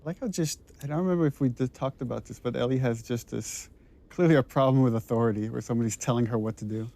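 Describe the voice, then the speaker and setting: A man's voice: medium pitch, fast, gravelly, warm tone. A man, the game's director, chatting enthusiastically over cutscenes in a commentary. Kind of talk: developer commentary.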